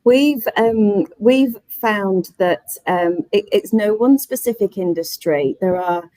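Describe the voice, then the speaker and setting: A woman on a webinar panel giving unscripted workspace advice, rephrasing as she goes in a halting way. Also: mid-range voice, warm tone, dry recording, rough recording. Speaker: panelist running a flexible workspace.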